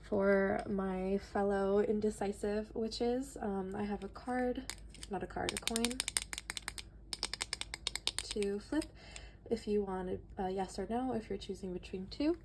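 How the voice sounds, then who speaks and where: A woman's voice: medium pitch, unhurried, background noise. A woman giving a casual, chatty tarot reading with a stuffy nose, sounding slightly out of breath. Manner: chatty and relaxed, reads book passages aloud. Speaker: tarot reader.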